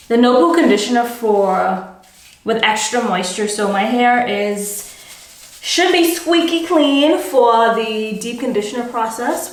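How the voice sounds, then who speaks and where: A young woman casually talking through her hair-care routine for a vlog, chatty and often correcting herself mid-sentence. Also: on the high side. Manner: chatty, self-correcting, talks through each step. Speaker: beauty vlogger. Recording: echoey home room, faint ambient noise.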